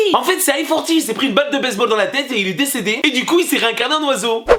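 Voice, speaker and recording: A man speaks very fast in a raised, projected voice with an animated tone. His loudness stays very even over noticeable background noise. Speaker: comedy youtuber. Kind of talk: comedic commentary.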